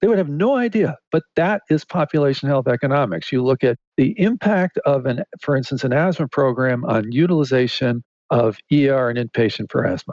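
An unremarkable speaking voice moves with lively intonation and very even loudness, barely pausing at all. The sound is dry and close, with no echo. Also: man, fairly high pitch for a man, moderate pace. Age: 60s. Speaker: health benefits consultant. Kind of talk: interview.

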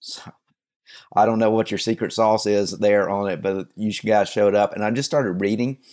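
Using an ordinary speaking voice, a man talks fairly quickly at a fairly low pitch with fairly even intonation. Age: 50s. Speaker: pastor. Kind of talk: casual chat.

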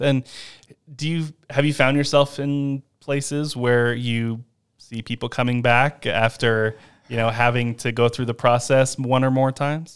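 Speaking in an unremarkable speaking voice, a man with a medium pitch and fairly even intonation keeps a moderate pace on a very clean recording with a silent background. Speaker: podcast host. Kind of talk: interview, scripted intro and casual questions.

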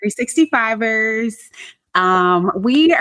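A plain, everyday voice with lively intonation comes through in a dry, close sound with no echo. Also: woman. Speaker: radio host and fitness coach. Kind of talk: casual podcast chat.

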